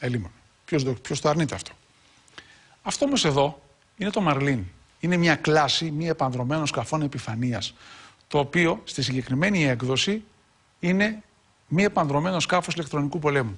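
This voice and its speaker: With lively intonation and long, frequent pauses, a man speaks at a moderate pace in a somewhat breathy voice of fairly high pitch. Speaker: journalist and defence analyst; journalist, defence analyst. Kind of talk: solo commentary broadcast. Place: studio.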